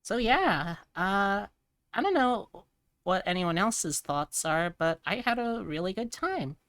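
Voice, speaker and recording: A woman's voice: medium pitch, expressive, slow pace, fairly bright tone, no room sound, studio quality. A woman hosting a casual live stream, chatting and thinking aloud in a rambling way. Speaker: streamer host.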